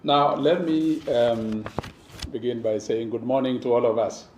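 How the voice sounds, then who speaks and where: Hoarse man giving a slow speech. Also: mid-range voice, darkish tone, a little hiss or hum. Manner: slow, pausing, audience-engaging. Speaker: government official giving a speech. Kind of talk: formal public speech. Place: event venue. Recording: echoey room with faint ambience.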